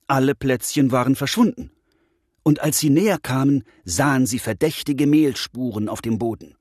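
Gentle male storybook narrator. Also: mid-range voice, normal speed, no echo, clean studio sound.

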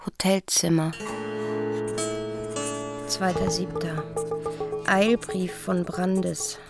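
An actress playing a dreamy young East Berlin woman in love, musing in a hushed, intimate radio drama diary monologue. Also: lowish voice, level tone, extremely slow, vocal fry, loud music behind the voice, exaggerated voice. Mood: matter-of-fact, musing.

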